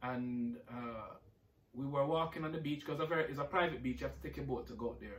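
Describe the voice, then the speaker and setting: A man with a Jamaican accent speaks at a very fast pace. Audible room echo surrounds the voice. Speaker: environmental scientist and conservationist. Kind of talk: interview answers.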